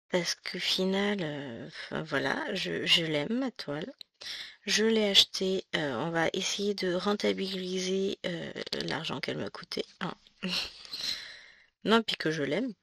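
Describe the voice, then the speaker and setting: A woman's voice: fairly low pitch, measured pace, creaky, fairly bright tone, husky, no echo, studio quality. A woman hosting a cross-stitch vlog, chatting casually and rambling with lots of fillers while she stitches. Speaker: cross-stitch channel host.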